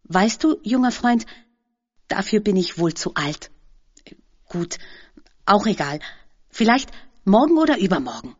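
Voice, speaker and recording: A woman's voice: mid-range voice, very animated, unhurried, pauses often, dull audio. A woman voicing a polite, thoughtful old man who speaks courteously and reflectively, in a storybook reading. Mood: gentle.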